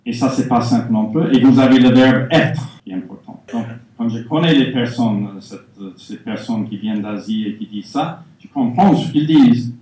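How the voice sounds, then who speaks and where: A male conference speaker answering audience questions in a measured, explanatory way, with frequent pauses. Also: medium pitch, mellow. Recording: echoey hall, far from the mic.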